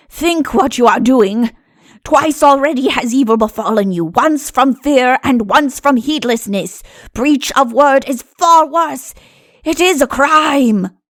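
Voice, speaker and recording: A woman's croaky, high-pitched put-on character voice at a fairly slow pace. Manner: admonishing, grave.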